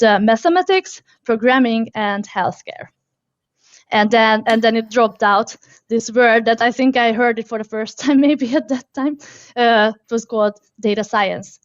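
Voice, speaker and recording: A woman in her thirties, originally from Hungary, tells her story as a guest in a casual interview. Her voice sits a bit high, and she stumbles through fillers and restarts with frequent laughs. The sound is dry and somewhat dull. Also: dry recording. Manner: hesitant, many fillers and restarts, laughs often.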